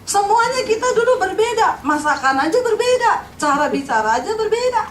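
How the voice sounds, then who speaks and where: A middle-aged woman pastor from Sulawesi giving a humorous, lively sermon. She laughs often and teases the congregation. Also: very high voice, a little fast, a little hiss or hum. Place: large church hall. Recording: echoey church hall from far off.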